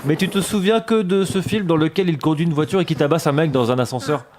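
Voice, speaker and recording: Man, quiz host, slightly high pitch, casual slang, hesitant, light background noise. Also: fast talker, a little mellow. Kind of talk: casual bantering quiz hosting. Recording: noisy live recording with clicks.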